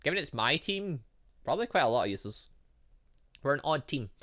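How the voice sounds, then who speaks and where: A man doing lively let's-play commentary as a gaming video host, exclaiming and talking to the game's characters. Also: mid-range voice, moderate pace. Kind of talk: lively let's-play commentary, reading game dialogue aloud.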